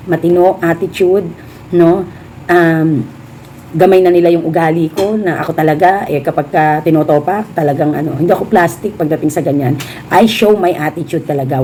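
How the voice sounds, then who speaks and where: A woman's voice: lowish voice, mellow, slight background noise. A Filipino woman vlogger chatting casually to her viewers, mixing Tagalog and English, often adding a questioning "no?", slightly under the weather. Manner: chatty, mixes Tagalog and English, frequent "no?" tag. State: feeling a bit unwell. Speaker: vlogger, small shop owner. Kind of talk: casual chat to camera.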